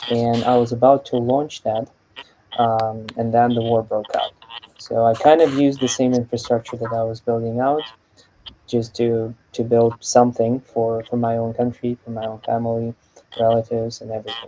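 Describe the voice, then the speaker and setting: Here a man of medium pitch talks at a moderate pace. His intonation is flat and monotone. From Ukraine, Vinnytsia. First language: Ukrainian. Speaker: nonprofit founder and tech entrepreneur. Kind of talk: interview.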